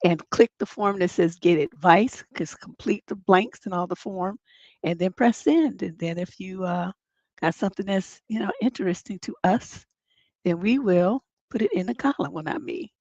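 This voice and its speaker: A woman hosting a relationship advice livestream, hoarse from a cold, chatting in a rambling, self-mocking way before reading out questions. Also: on the low side, normal speed, a little mellow, no echo, dull audio. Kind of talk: casual livestream advice chat.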